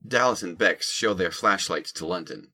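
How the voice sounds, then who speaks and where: Deep-voiced male audio drama narrator. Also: expressive, normal speed, sharp tone.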